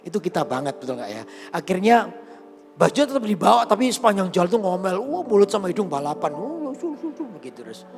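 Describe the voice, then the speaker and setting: A male preacher tells a sermon story in a high-pitched voice with a gravelly edge. He is playful and keeps checking that the congregation agrees. Long church-hall reverb carries his voice over faint music. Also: fast. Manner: lively, jokey, often asks the congregation to agree. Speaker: pastor.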